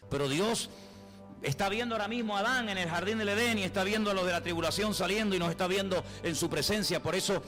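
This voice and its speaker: A man preaching a sermon as pastor, with a Spain Spanish accent, asking rhetorical questions and slowing down to stress key words. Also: high-pitched, in a large hall, soft background music. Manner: animated preacher, rhetorical questions, slows for emphasis.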